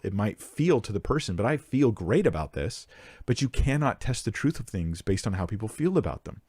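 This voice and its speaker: A young man with a low voice speaks close to the microphone in a dry, dead room. He answers a listener's question earnestly, pressing his points with emphasis and stopping to restart his sentences. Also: a little mellow, no echo. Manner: earnest, emphatic, thinks aloud with restarts and fillers. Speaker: Bible Q&A host.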